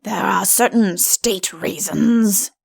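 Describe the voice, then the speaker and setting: A woman's voice: medium pitch, takes it slowly, creaky, a little mellow, no room sound, studio quality. A woman playing a pompous, fussy storybook king. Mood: stern, dignified. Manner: blustering, self-important, rambling. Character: pompous, genial middle-aged fairy-tale king, a doting father. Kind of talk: audiobook character voice.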